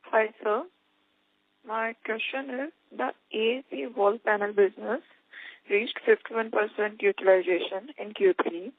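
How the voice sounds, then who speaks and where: A woman's voice: medium pitch, steady tone, unhurried, dry recording. A woman, an analyst putting a prepared question on an earnings call. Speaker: analyst caller. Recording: dry, narrow telephone line.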